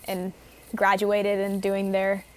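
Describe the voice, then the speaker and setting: A woman's voice: medium pitch, completely flat delivery, slow. A young woman from Houston, a guest actor, talking casually in an interview and filling her speech with "like". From Houston, Texas. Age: young adult. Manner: casual, lots of "like" fillers.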